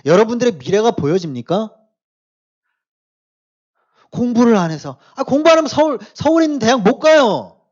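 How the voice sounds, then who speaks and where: A man preaching to a church youth group, shifting between quiet asides and loud emphatic exhortation, often asking his listeners questions. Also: very high-pitched, very animated, moderate pace, pauses often, highs cut off. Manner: casual, speaks directly to the youth with questions. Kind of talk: sermon to teenagers.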